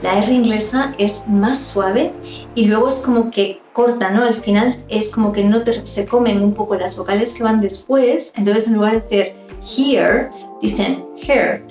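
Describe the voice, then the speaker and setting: A woman's voice: medium pitch, steady tone, moderate pace, a little mellow, roomy sound, soft background music. A woman teaching English pronunciation, explaining and demonstrating sounds and often checking in with the listener. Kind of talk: explanatory lesson.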